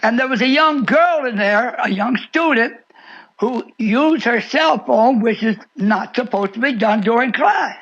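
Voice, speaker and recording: A man's voice: very high voice, measured pace, a bit bright. A man preaching a radio sermon in a fiery, sing-song way with sudden swoops and repeated phrases. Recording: muffled shortwave radio broadcast.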